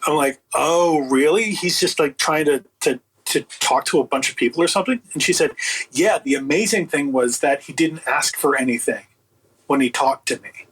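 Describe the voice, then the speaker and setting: A man with a slightly high, husky voice is a guest in an interview. He tells his story in a casual, conversational way, acting out both sides of remembered exchanges with an incredulous, sardonic edge. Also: moderate pace, low-quality recording. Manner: animated retelling with acted-out quotes, incredulous and sardonic. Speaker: interview guest, audio book producer.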